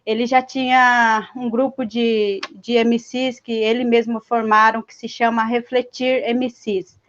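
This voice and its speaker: A young woman rapper from Mato Grosso do Sul, whose first language is Guarani, speaks seated in a live stream. She talks slowly and hesitantly, with many fillers. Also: fairly high pitch, level tone, a bit bright, a little hiss or hum. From Mato Grosso do Sul, Brazil. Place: indoors, seated. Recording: dull lo-fi sound.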